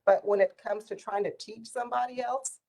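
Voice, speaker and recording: A woman's voice: fairly high pitch, a little fast, creaky. Middle-aged woman telling stories casually. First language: Spanish. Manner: animated retelling with quoted dialogue. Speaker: community volunteer sharing life stories. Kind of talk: casual conversational storytelling.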